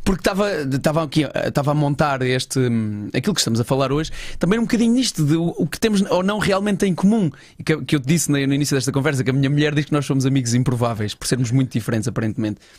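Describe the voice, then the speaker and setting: The voice is somewhat breathy, with lively intonation and a very fast pace. The sound is dry with no echo, over a quiet background. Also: man. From Portugal. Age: 30s. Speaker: podcast host. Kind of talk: casual interview chat. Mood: reflective, candid. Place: studio. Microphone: studio mic.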